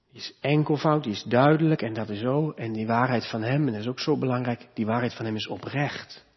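A man preaching a sermon as pastor, with emphatic delivery that rises and grows louder on key points, recorded in a church. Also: medium pitch, breathy edge, in a large hall, lo-fi sound.

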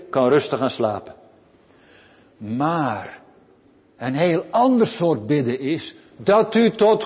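A man preaching a sermon, earnestly questioning his listeners and rising from quiet to loud pleading. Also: high voice, breathy edge. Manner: addresses listeners with direct questions. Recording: lo-fi recording with long church reverb.

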